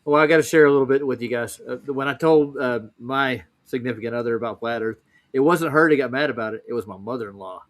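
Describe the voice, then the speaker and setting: A man's voice: medium pitch, quick pace, no room sound. A man co-hosting and steering a casual group conversation. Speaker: co-host moderating the stream.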